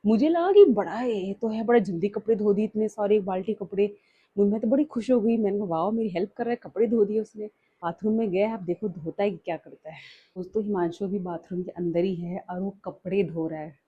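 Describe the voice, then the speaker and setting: A woman's voice: medium pitch, fairly quick, dark tone, breathy edge, muffled recording. A young woman narrating a casual home vlog to her viewers, chatty and laughing often. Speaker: family vlogger. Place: home kitchen and house. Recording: noisy home phone recording.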